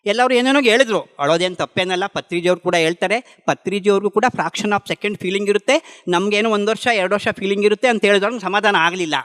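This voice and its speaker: A man's voice: sits high, fast talker, a bit bright, big-room sound. A middle-aged man giving an emphatic spiritual talk to a gathering, asking questions and answering them himself. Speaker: meditation practitioner sharing testimony.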